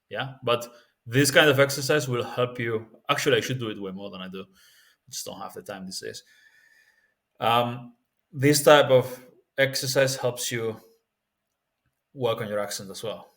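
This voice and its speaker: Laid-back Spanish-accented man explaining. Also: medium pitch. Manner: relaxed and thinking aloud, with frequent fillers and tag questions. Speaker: language-learning video host. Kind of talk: casual spoken tutorial.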